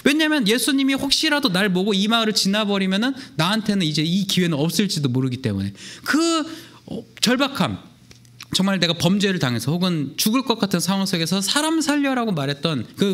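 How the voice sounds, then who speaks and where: A young man preaching a sermon as a youth pastor, telling the story with lively storytelling and acting out the voices of the people in it. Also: high-pitched, normal speed.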